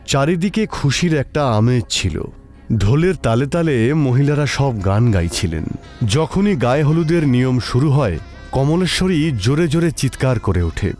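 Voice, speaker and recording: একজন পুরুষ কথক লিখিত ভূতের গল্প পাঠ করছেন।. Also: male voice, medium pitch, very animated, unhurried, darkish tone, soft background music. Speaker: narrator. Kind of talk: scripted horror story narration.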